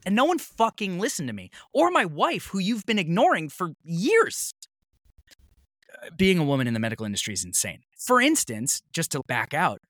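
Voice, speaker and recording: A man in his thirties from Maine, USA, appears as a podcast guest and tells a story in casual conversation, getting heated, swearing freely, and voicing the other people in the retold dialogue. His voice sits high with a sharp tone, and there's no room sound.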